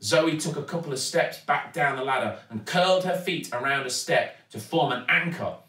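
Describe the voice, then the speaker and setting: A British man reading a children's story aloud in a dramatic, deliberate way. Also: fairly high pitch, sharp tone. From United Kingdom. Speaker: actor reading a children's book. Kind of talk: expressive storybook narration. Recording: echoey room, distant mic.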